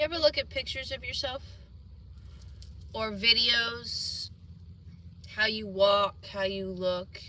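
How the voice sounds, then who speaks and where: A woman with an American accent, fairly slow and broken by long, frequent pauses. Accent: Philadelphia accent, comes out sometimes. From US East Coast (Philadelphia and New York). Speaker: energy healer and livestreamer. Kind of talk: casual livestream chat.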